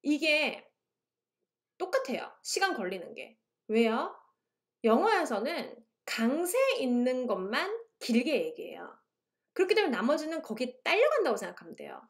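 A woman lecturer explaining English teaching, switching between languages and reading English passages aloud slowly. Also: high-pitched, very animated. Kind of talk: recorded online lecture.

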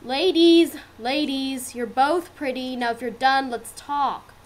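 Woman acting an exasperated, high-voiced female wolf. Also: slow. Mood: exasperated, firm.

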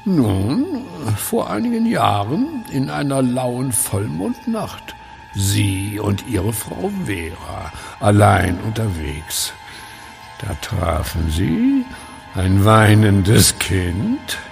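Gravelly, gloating werewolf villain. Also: male voice, on the low side, big pitch swings, extremely slow, soft background music, exaggerated voice. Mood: smug, menacing. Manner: theatrical, mockingly polite, savoring words. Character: sadistic werewolf clinic director, gloating, mannered villain. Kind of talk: German horror audio drama acting.

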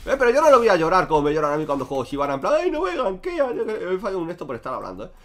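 Lively, fast-talking streamer guy. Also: a little high. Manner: crude, joking, talks to chat. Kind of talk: casual gameplay commentary.

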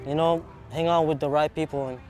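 A young man from Palau, raised in Hawaii, talking earnestly and haltingly in an interview, often saying "man". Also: fairly high pitch, steady tone, a little mellow. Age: young adult. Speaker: program student. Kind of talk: interview talk. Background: music bed.

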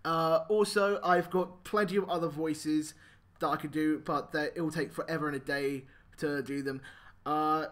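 A man's voice: fairly high pitch, fairly even intonation, moderate pace, a bit bright. A man, an amateur voice actor, talking casually and animatedly in an improvised comic demo reel.

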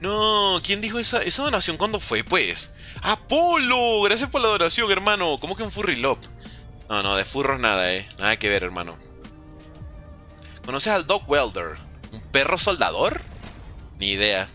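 A man streams a game and banters with his chat in a playful tone. His voice is very bright and forceful, swinging widely in pitch. Faint music plays behind him. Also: sing-song, moderate pace. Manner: playful, reads chat aloud, makes mouth sound effects. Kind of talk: live-streamed gameplay with chat. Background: faint background music.

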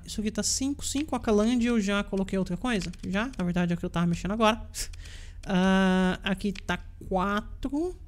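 A woman with a Brazilian Portuguese accent hosting a let's play, commenting chattily with excitable reactions to the game. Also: mid-range voice. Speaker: gaming channel host. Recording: voice over loud game music. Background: game music.

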